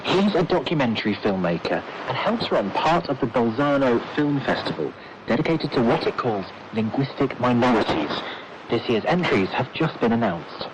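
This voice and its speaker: A man's voice: mid-range voice, big pitch swings, moderate pace, noisy background. A man presenting and interviewing on a news magazine programme, heard over a muffled shortwave radio broadcast.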